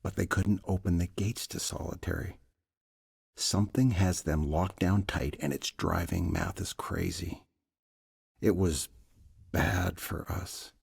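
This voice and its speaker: Gravelly, deep-voiced old prison warden. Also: male voice, a little slow, darkish tone, full character voice. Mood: weary, confiding. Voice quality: gravelly, husky. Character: weary imprisoned prison warden, grave and ominous. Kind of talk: dramatic game cutscene acting.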